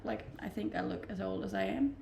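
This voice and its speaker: A woman from Denmark, in her twenties, streams at a brisk pace in a gravelly, medium-pitched voice with a Danish accent. Laughing a lot, she chats casually about viewer comments. The recording sounds roomy, with slight background noise.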